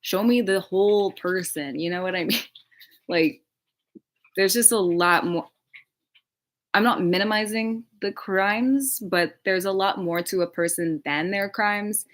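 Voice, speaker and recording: A woman's voice: mid-range voice, measured pace. A woman chatting casually on a livestream as a true crime creator, rambling with lots of filler words and casual swearing.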